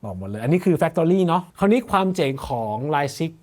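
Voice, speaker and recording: A man's voice: a little high, sing-song, brisk, mellow. A man explaining a guitar effects unit step by step in a casual, eager demo chat at a music shop. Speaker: gear reviewer.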